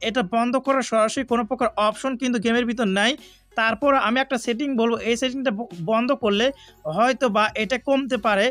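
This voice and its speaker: Male gaming tutorial host. Very high pitch, brisk casual explainer delivery, light music underneath. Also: a bit bright.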